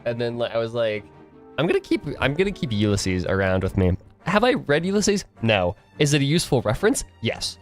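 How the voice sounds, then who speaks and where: A man's voice: mid-range voice, big pitch swings, fairly quick, soft background music. A young man streaming solo, rambling casually with lots of fillers, his voice a bit stuffy and nasal from a cold and tired from the morning. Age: young adult. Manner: rambling, filler-heavy, restarts often.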